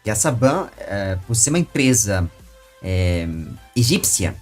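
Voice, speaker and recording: A Brazilian man with a husky voice works as an interviewer, offering long casual comments. His phrasing halts, then bursts into emphasis. There is faint music behind him. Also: on the low side, sing-song, unhurried.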